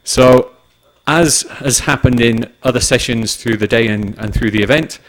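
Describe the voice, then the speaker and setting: A man chairing a conference session, speaking in a relaxed, joking and measured way. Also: medium pitch, slight background noise, rough recording. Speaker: session moderator.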